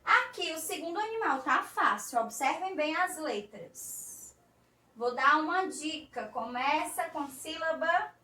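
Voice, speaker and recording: A Brazilian woman teaching a recorded class for young children, in slow, coaxing, sing-song teacher talk. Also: high-pitched, sharp tone, echoey room, far from the mic. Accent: Brazilian Portuguese.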